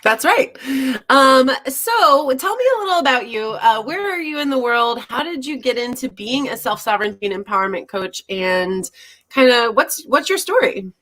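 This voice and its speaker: A woman's voice: a little high, animated, normal speed, a bit bright. A young woman hosting a casual livestream interview, upbeat and effusive, on a weak connection. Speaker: podcast host.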